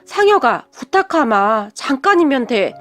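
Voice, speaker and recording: A woman voicing a destitute middle-aged mother who pleads slowly with her grown son, read as a radio-style story. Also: high voice, sing-song, faint music behind. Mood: pleading. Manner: pleading, slow and wheedling. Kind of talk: storybook reading.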